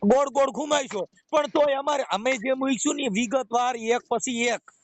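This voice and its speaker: A man with a notably high voice and a Saurashtra Gujarati accent argues on a recorded call. He is insistent and keeps interrupting to press his point. The sound is very dry, with no room around it. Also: moderate pace, no room sound. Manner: insistent, interrupting, talks over the other. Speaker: caller confronting someone over accusations. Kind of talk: argumentative phone conversation.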